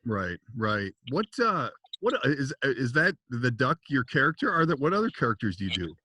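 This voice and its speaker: A man's voice: medium pitch, sing-song, moderate pace, bright, forceful tone, slightly rough, dry recording. A man hosting a podcast, asking questions in an easygoing, agreeable way. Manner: easygoing, agreeable interviewer with short responses. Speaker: podcast host. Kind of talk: casual podcast interview.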